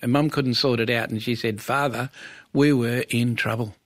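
A man in his seventies from Western Australia with an Aboriginal Australian accent, reminiscing conversationally as an interview guest, pausing and repeating words as he tells his story. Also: mid-range voice, steady tone, no room sound, studio quality. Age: 70s.

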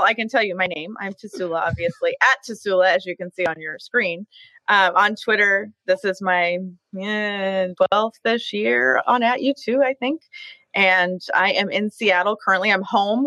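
Woman panelist on a video call from home, dry close sound, easygoing storyteller, quick to laugh. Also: mid-range voice, pushed and bright, dry recording, low-quality recording. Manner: friendly, talkative, laughs easily. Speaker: podcast panelist. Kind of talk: casual chat. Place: home in Seattle.

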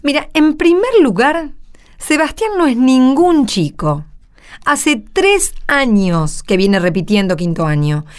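An actress playing a stern, unyielding middle-aged school director in a radio drama, curt and confrontational, with an Argentine accent. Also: female voice, high-pitched, very animated, slow, clean tone, heavily acted. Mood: indignant, dismissive. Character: stern, unyielding female school director, thirty years teaching.

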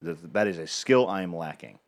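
A male radio co-host with a very deep voice, relaxed and a little halting, often restarting his sentences. He trades easy banter in the studio. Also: dry recording. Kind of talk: casual morning radio banter.

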